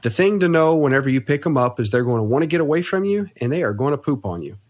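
A man's voice: fairly high pitch, lively intonation, quick pace, darkish tone. A man hosting a casual podcast conversation who talks in an easygoing way, full of "you know". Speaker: podcast host and shop owner.

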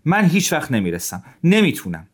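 A man's voice: a little high, wildly swooping pitch, voice pushed up. A man putting on a whiny, timid officer. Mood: despairing. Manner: whining, pleading. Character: weak, timid, complaining male Russian officer.

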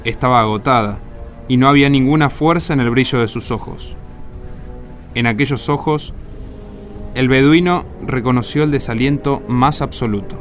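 A man plays a solemn storyteller narrating a desert radio play. His mid-range voice is measured and poetic. Soft music runs beneath the narration. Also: mid-range voice, lightly acted. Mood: grave. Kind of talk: scripted radio drama narration. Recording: music under the voice.

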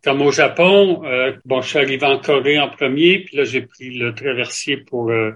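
Older male guest, rambling storyteller, mid-pitched voice. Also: normal speed, a bit bright, highs cut off. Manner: rambling, full of hesitations and restarts. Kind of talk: casual interview chat.

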